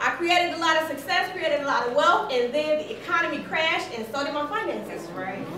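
A woman's high-pitched, raised, projected voice at a very fast pace, with lively intonation, hardly any pauses, audible room echo and light background noise. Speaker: network marketing team leader. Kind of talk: motivational business training talk. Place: meeting room. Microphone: camera far.

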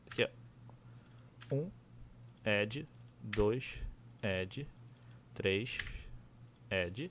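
Speaking at a very slow pace with long, frequent pauses, a man uses lively intonation, a fairly low pitch and vocal fry. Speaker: gaming youtuber. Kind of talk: gameplay tutorial. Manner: casual, talkative.

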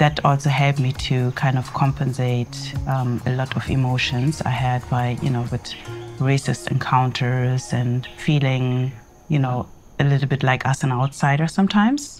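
Over clear background music, a woman speaks at a moderate pace with a very deep, low pitch and fairly even intonation. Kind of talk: interview answer. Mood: reflective, warm. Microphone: lapel.

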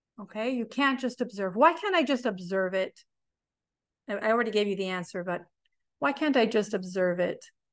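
Against a quiet background, a woman with a fairly high pitch and lively intonation speaks at a moderate pace, leaving long, frequent pauses. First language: Spanish. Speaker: university instructor. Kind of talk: lecture. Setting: video call. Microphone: video call.

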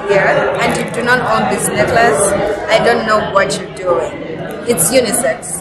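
With crowd noise in the background, a woman talks at a moderate pace. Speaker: vendor promoting her clothing brand. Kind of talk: interview answer. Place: hall.

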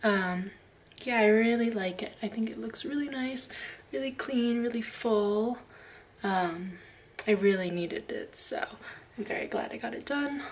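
Speaking at a moderate pace, a woman leaves long, frequent pauses. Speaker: vlogger. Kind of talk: casual vlog chat. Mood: happy, relaxed. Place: home room. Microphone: phone near.

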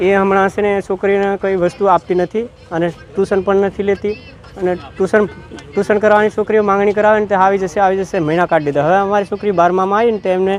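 Behind a voice with monotone, flat intonation, background noise is noticeable. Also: man. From Gujarat, Kavant taluka, Chhota Udepur. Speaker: parent of a student. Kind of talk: news interview statement. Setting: outside district collector office.

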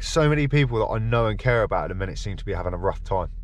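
A dry, echo-free recording of a man at a moderate pace. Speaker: vlogger. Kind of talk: casual vlog chat. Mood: low, reflective, self-critical. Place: car. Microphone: phone near.

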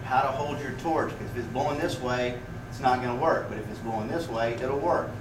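Background noise is noticeable here. Through it comes the voice of a man. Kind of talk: informal explanatory talk to a tour group. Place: workshop. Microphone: camera far.

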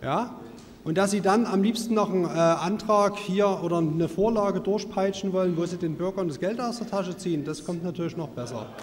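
A man's high-pitched voice at a moderate pace, over noticeable background noise. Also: ordinary pitch variation. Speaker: city councillor. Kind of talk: council debate speech. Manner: indignant.

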